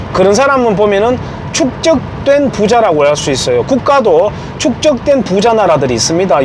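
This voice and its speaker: A man's voice: high voice, background noise. A man giving an informal, emphatic opinion monologue. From Gyeongju, South Korea. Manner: emphatic, acts out quoted remarks. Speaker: commentator.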